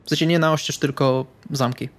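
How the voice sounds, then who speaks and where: A man's voice: medium pitch, steady tone, fairly quick. A man playing a tabletop role-playing game, describing what his character does.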